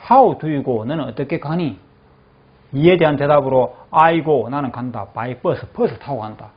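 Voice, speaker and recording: A male English teacher in a classroom, saying phrases slowly and then explaining them, often checking that the class follows. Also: medium pitch, husky. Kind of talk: classroom lecture with repeat-after-me drills. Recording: dull lo-fi classroom recording.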